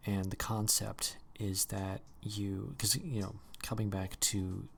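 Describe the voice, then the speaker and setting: Gravelly, flat-voiced male stream host. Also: lowish voice, takes it slowly, a little hiss or hum. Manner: rambling, casually profane. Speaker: livestream host. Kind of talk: casual chat.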